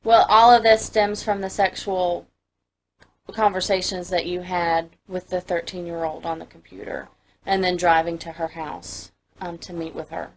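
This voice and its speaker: A woman's voice: lowish voice, steady tone, normal speed. An American woman, a police investigator, questioning a suspect in a direct, pressing way. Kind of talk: police interrogation. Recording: noisy interview room audio.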